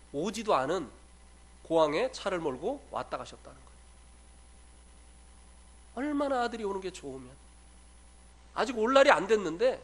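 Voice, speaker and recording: Guest preacher, male, higher-pitched voice, earnest sermon delivery with "uh" fillers, church setting. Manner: frequent filler sounds between phrases. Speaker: guest preacher, former missionary. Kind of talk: evangelistic sermon with personal story. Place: church sanctuary.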